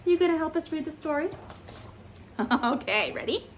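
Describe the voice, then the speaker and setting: Young woman, children's storytime reader, cheerful sing-song questions, high voice, slow pace. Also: lively intonation, a little hiss or hum. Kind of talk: reading a picture book to children.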